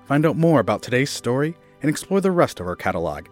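A man reading a children's story aloud in an expressive narration, slowing down for dramatic moments. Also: medium pitch. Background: soft classical music.

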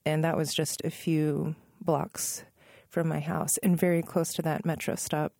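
A woman musician in her thirties from Northern Virginia, USA, answers interview questions as a guest in a relaxed, thoughtful way. She pauses, corrects herself, and laughs softly. Her voice sits low with a creaky quality, and the clean studio sound has no room sound.

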